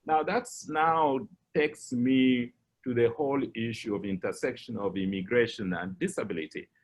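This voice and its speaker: A middle-aged man with a Kenyan English accent, giving a personal account as a guest speaker, measured and pausing with frequent fillers. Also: mid-range voice. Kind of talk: personal account in a lecture talk.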